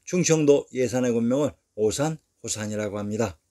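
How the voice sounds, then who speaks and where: Man, scripted history narration, dark mellow tone, even measured delivery. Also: mid-range voice. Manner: even, measured reading of lists.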